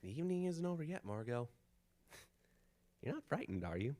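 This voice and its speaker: An actor playing a confident, commanding gentleman detective in a radio mystery, formal and theatrical. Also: on the high side, very animated, normal speed. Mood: composed, probing. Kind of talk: old-time radio mystery acting.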